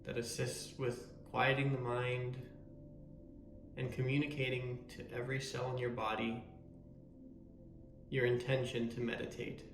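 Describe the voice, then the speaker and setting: A man leading a guided meditation in a calm, measured, soothing way. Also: medium pitch, echoey room. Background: meditation music.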